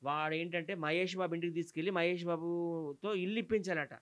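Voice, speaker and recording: A man's voice: a little high, steady tone, a bit bright. A man, giving an indignant, emphatic interview complaint that rattles off long lists. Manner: indignant, rapid, emphatic listing.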